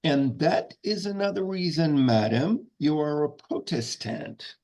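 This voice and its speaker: A man reading the part of a pompous, devout Catholic with formal delivery and a husky voice. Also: on the high side, lively intonation, measured pace, darkish tone. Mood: indignant, pompous. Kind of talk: comedy script table read.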